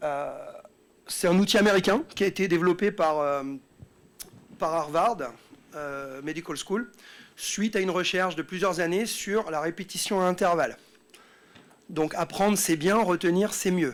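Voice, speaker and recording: A man speaks at a fairly slow pace with a high pitch. Long pauses come often. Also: ordinary pitch variation. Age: 40s. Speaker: business speaker presenting a training tool. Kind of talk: sales pitch presentation. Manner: hesitant, many 'euh' fillers.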